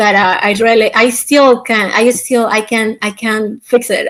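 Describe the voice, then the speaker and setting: With a Mexican accent, a woman talks at a fairly slow pace. Her pitch is fairly high and her intonation fairly even. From Mexico (Mexico City, Tijuana). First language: Spanish. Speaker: fashion designer. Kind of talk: interview. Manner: halting, many repetitions and fillers.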